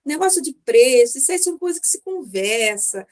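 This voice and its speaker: A woman's voice: sits high, animated, normal speed. A Brazilian woman in her fifties giving a chatty personal testimonial as a mentoring client, often acting out little dialogues. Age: 50s. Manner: chatty, acts out dialogues, frequent tag questions.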